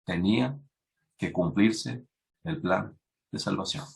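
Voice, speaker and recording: A man preaching a sermon to young people, acting out pleading voices and rising in pitch when he stresses a point. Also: takes it slowly, gravelly. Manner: acts out biblical voices, rises in pitch when emphatic. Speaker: youth preacher.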